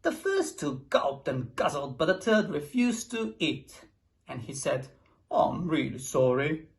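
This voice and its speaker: A woman's voice: low-pitched, sing-song, unhurried. A woman reading a rhyming picture book aloud with a rhythmic, sing-song delivery. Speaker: storybook reader.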